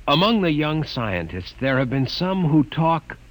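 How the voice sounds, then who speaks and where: An actor playing an earnest young cadet in a 1950s radio drama. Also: male voice, a little high, very animated, unhurried, rough recording. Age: young adult.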